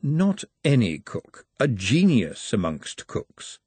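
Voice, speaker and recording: A man voicing a cool, cynical male tyrant in an audiobook, dry, measured and deadpan with a husky tone. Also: medium pitch, no room sound, exaggerated voice. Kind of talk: audiobook character voice.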